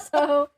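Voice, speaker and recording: On a podcast, a young female co-host talks casually about books and reads synopses aloud. She's giggly and mildly self-deprecating throughout.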